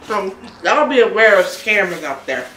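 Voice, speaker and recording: A woman's voice: medium pitch, a bit bright, roomy sound, a little hiss or hum. A woman, chatting casually on her eating vlog and telling a story with frequent laughs. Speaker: mukbang vlogger. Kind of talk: casual chat while eating.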